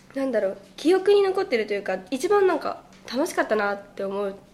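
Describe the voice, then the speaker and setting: A woman talks with pitch that swings very widely, and noticeable noise is audible behind her. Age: young. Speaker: idol singer and radio personality. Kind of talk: casual solo radio talk; scripted show intro. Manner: halting; laughs often.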